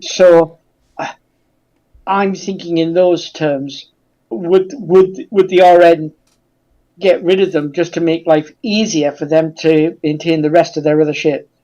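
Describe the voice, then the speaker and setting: A man's voice: on the high side, steady tone, a little slow, dark tone. A man in an informal panel discussion, speaking hesitantly and repeating words as he puts a point, over a dull voice link. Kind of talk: informal discussion, raising objections.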